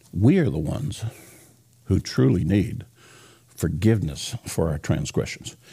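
With a very deep, low pitch and a dark, mellow tone, a man speaks at a fairly slow pace with vocal fry, very wide pitch swings and long, frequent pauses. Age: 70s. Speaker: congregation teacher. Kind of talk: sermon. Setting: church. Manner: halting.

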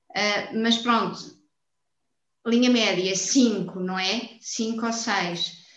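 A woman's fairly high voice with a European Portuguese accent, fairly even intonation and audible room echo. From Portugal. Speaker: coaching student. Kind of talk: online class discussion.

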